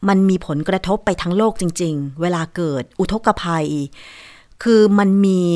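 A middle-aged woman from northern Thailand hosting a public radio podcast, chatting politely and warmly straight to her listeners. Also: lowish voice, no echo, studio quality. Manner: polite and chatty, soft sentence endings, addresses listeners directly.

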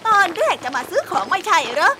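A woman playing a bossy, teasing market shopkeeper in a children's radio drama. She chats and scolds in a nosy, sharp-tongued way. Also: very high voice, sing-song, fast, very noisy, pitched above the performer's own voice. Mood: exasperated. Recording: music playing underneath.

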